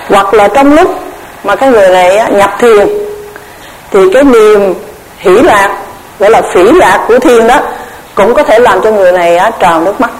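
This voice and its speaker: A woman giving a Buddhist dharma lecture, measured and explanatory, often repeating words as she searches for the next one. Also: a little high, a little hiss or hum, poor audio. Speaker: Buddhist Abhidhamma teacher.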